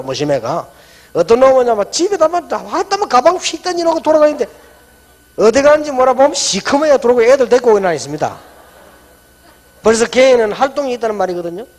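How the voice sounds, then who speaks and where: A middle-aged man preaches a sermon, telling stories in a lively way. His voice sits high and leaps all over the place. A long reverb from the church hall trails each phrase. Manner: animated storytelling, drops soft and low when quoting. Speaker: pastor.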